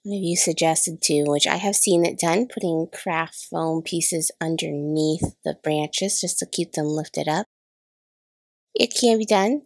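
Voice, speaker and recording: Chatty woman with a cold, gravelly voice. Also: deep voice, unhurried, no room sound. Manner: chatty, self-deprecating about mistakes. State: has a cold, slightly nasal. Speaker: card-making channel host. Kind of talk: casual crafting voice-over tutorial. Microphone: voice-over recorded separately.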